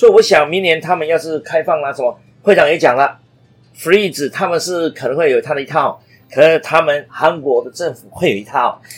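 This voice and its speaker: Music plays in the background as a man speaks at a fairly quick pace. His voice is high-pitched, with lively intonation. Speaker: gallery association chairman. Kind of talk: panel discussion.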